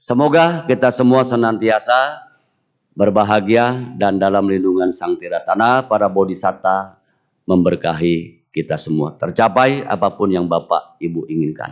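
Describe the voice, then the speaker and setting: A man's fairly low-pitched voice with lively intonation at a fairly slow pace. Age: 60s. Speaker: Buddhist lay preacher. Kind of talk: dharma talk. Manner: conversational, animated.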